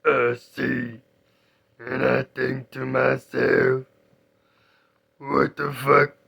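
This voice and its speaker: Deep rasping growled scream. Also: male voice, completely flat delivery, extremely slow, fairly bright tone, heavily acted. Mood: strained, growling. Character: harsh rasping false-cord scream vocal practice. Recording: dull lo-fi recording.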